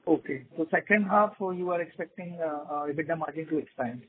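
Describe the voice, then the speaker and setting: Higher-pitched Indian man on a phone line. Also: a little fast, slight background noise. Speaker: financial analyst asking questions. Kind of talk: unscripted business call questioning. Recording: thin tinny phone line.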